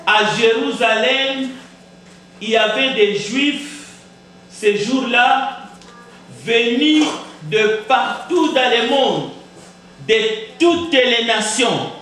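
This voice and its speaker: A man's voice: high voice, sharp tone, heavy reverb, far from the mic, low-quality recording. A man preaching a sermon as pastor, with Kizimba as his first language, emphatic and repeating words for effect. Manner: emphatic, repeats words, rhetorical questions, deliberate pauses. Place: church sanctuary.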